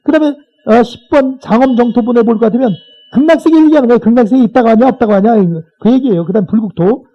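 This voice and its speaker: A man's voice: very high-pitched, very fast, dark tone. A man, a Buddhist monk, giving a colloquial sutra lecture to a class and often checking in with his listeners. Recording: dull lo-fi recording.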